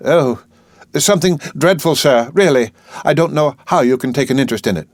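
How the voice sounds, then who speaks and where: Fussy middle-aged housekeeper, raised pitch, hesitant and respectful, voiced by a man. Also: brisk, dry recording, natural voice. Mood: perplexed. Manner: hesitant, deferential.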